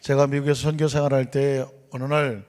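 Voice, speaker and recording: A man's voice: mid-range voice, little pitch movement, brisk, darkish tone. A male pastor preaching a sermon, emphatic and call-and-response, with playful storytelling asides. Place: church sanctuary. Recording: reverberant church hall with faint music.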